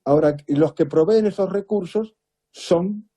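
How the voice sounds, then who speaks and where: A man's voice: sits high, a little slow, warm tone, husky. A man from Buenos Aires with a Rioplatense accent, giving emphatic, rhetorical political commentary as an interview guest. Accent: Rioplatense Spanish. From Buenos Aires, Argentina. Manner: emphatic, rhetorical, repeats "¿es cierto?".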